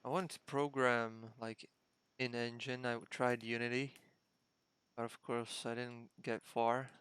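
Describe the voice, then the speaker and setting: A young man speaking English as a second language, chatting casually on a developer livestream through a headset, halting and searching for words. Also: medium pitch, little pitch movement, a bit bright, clear, resonant tone, dry recording. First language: a Slavic language close to Czech. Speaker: game developer.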